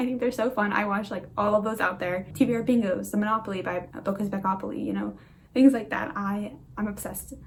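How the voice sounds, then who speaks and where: Noticeable background noise and audible room echo surround a woman speaking at a very fast pace, with medium pitch and ordinary pitch variation. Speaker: booktuber. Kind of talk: casual chat. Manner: stutters, fumbles words.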